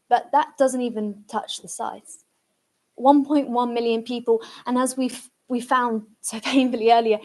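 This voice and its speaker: A woman's voice: fairly high pitch, a little mellow. A woman speaking earnestly at a commemorative event, reflective and using emphatic repetition. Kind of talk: reflective public talk.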